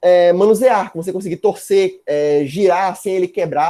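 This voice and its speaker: This man has a high-pitched yet dark, mellow tone. His intonation is lively. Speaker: teacher. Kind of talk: lecture. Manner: fast; halting.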